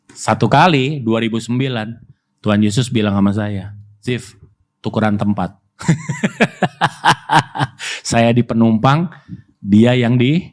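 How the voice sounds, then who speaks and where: A man pastor preaches a sermon. He keeps it lively and conversational, often calling out to the congregation. His voice sits at an ordinary middle pitch. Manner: lively, conversational preaching with audience call-outs.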